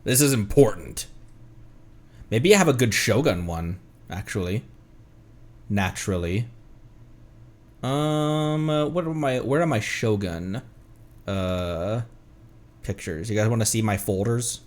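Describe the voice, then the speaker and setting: A man streaming a game, talking casually to viewers in an animated, rambling way and muttering to himself. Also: lowish voice, slow, long pauses. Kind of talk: casual livestream gaming chat with viewers.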